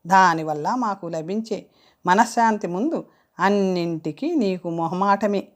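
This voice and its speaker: A woman's voice: mid-range voice, lively intonation, unhurried, lightly acted. A woman voicing an older mother, kindly but scolding, as she reads an audiobook story, with a raised, chiding tone. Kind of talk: audiobook character reading.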